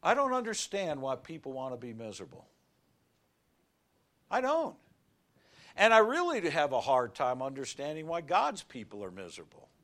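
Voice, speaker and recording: Animated high-pitched male preacher. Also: moderate pace, pauses often. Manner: animated preaching, shouting high on key words; folksy, tells everyday stories. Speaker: pastor. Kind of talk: sermon.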